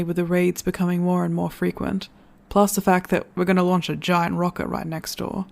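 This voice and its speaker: An actor playing a reflective storyteller in an audio drama, giving an earnest, measured farewell address to listeners. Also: medium pitch, gravelly, darkish tone, natural voice. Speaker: narrator.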